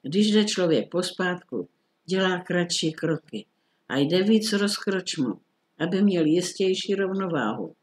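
A man voicing a phlegmatic middle-aged police commissioner who talks in a dry, unhurried, grumbly way. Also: high voice, animated.

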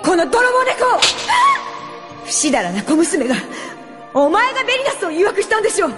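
A vengeful noblewoman's ghost in a radio drama. She is shrill and accusing, very high and wildly swooping, drenched in reverb. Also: very animated, fairly quick. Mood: venomous rage. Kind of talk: Japanese radio drama acting. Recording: long reverb, music behind.

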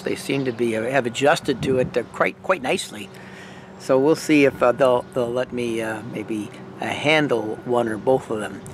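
Relaxed older man vlogging outdoors. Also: medium pitch, slight background noise. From Michigan. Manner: relaxed, chatty, gentle with pauses and fillers. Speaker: nature vlogger. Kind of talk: casual outdoor vlog narration. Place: outdoors in a park, later indoors at home.

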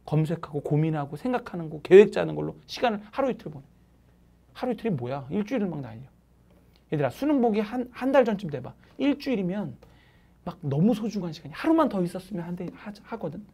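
A middle-aged woman math tutor giving students a nagging, emphatic pep talk that swings from loud urging to whispers. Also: fairly low pitch, big pitch swings, fast talker, slightly rough.

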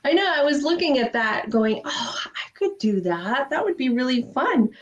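A woman's voice: sits high, very animated, moderate pace. Middle-aged woman on a dull video call. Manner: upbeat, earnest storytelling. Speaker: guest, former ski racer. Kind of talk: interview conversation. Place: home office.

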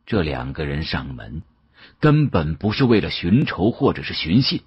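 A man narrating an audiobook in the first person, in a colloquial, expressive storytelling manner. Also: deep voice, normal speed, breathy edge, no room sound, highs cut off.

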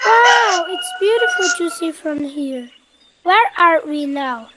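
Actor voicing a cheerful young boy, very high voice, slow clear delivery, textbook audio. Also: animated, very noisy, exaggerated voice.

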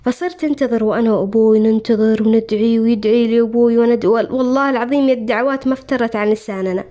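A Saudi-accented woman retells a first-person story with earnest, emotional feeling. Her voice sits high and she talks at a rapid clip. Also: steady tone, mellow, highs cut off.

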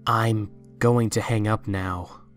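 A man's voice: fairly low pitch, fairly even intonation, takes it slowly. An actor playing a cold, self-controlled young man in an audio drama, terse and restrained. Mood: cold, withdrawn. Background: music.

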